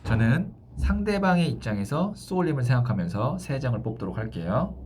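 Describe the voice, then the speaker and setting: A man speaking as a tarot fortune teller, explaining a love reading to a client with thoughtful pauses. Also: mid-range voice, expressive, darkish tone, a little hiss or hum.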